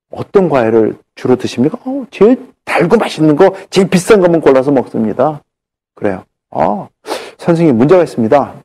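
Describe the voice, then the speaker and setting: Animated man telling a seminar story. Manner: storytelling, acting out both sides of a phone call; animated, shifts pitch when quoting others. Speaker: health seminar speaker. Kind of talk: live seminar talk. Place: seminar hall.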